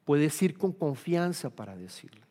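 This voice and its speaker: A man preaching a sermon, emphatic and rising to loud peaks on key points. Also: a little high, sing-song, moderate pace, breathy edge. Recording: reverberant hall.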